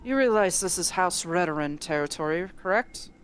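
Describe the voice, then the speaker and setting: A woman voicing a blunt, gruff male dark elf dock official in a tabletop game, curt and dismissive. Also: fairly low pitch, expressive, moderate pace, slight background noise, close to an everyday voice. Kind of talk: tabletop role-play.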